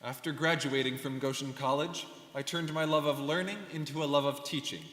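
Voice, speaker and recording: A young man performing a scripted dramatic reading as a reflective immigrant alumnus, steady and solemn in manner. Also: mid-range voice, fairly quick, natural voice. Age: young adult. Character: reflective male immigrant alumnus and devoted teacher. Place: large hall. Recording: echoey hall, long reverb.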